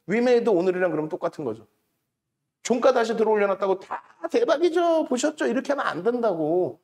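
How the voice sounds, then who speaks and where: A man's voice: sits high, darkish tone. A middle-aged man hosting a stock market show, lecturing on charts and stock prices in an emphatic way, repeating key numbers and mocking rivals.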